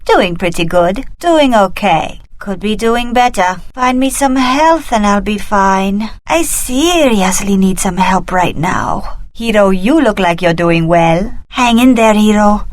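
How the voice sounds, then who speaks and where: A woman's voice: medium pitch, lively intonation, takes it slowly, few pauses, no room sound. A woman voicing a cunning young warrior heiress in a video game, with an articulate, dramatic delivery. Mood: brisk, businesslike.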